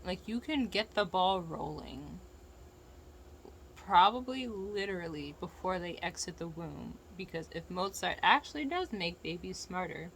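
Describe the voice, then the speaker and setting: Low creaky-voiced American woman with a lisp. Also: animated, a little slow, a bit bright, a little hiss or hum, low-quality recording. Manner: rambling, frank, profane, digressive. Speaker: vlogger giving opinions. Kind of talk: casual opinionated rant to viewers.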